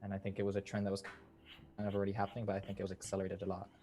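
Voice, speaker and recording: Low, flat-voiced Dutch man. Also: very fast, a little hiss or hum. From Netherlands. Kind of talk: casual chat.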